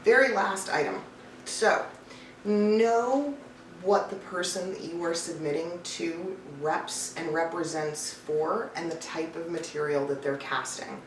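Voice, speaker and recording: A woman with a slightly low voice gives coaching tips in a blunt, emphatic, conversational way. She sounds set back from the microphone in a clearly echoey room, with faint noise underneath. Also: slow pace. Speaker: voice-over coach and casting professional. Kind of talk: direct-to-camera advice video, tips list. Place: indoor room with a cat nearby. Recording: roomy, distant mic, some background noise.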